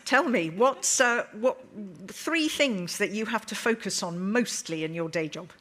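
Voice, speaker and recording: A woman's voice: mid-range voice, expressive, a little slow, fairly bright tone. A woman moderating a live conference panel in a chatty, emphatic, bantering way, addressing guests and audience informally.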